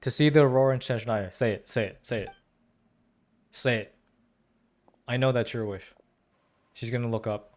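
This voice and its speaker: A young man giving casual, slangy play-through reactions as an excitable gaming fan. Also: medium pitch, normal speed, long pauses. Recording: game music behind voice.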